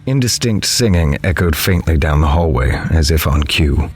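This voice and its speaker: A grave reporter played by a man tells a horror story in a very deep voice. His delivery is measured, somber and literary, with music playing underneath. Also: lively intonation. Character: grave, observant male newspaper reporter. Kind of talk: first-person narration of a horror audio drama. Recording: music behind the voice.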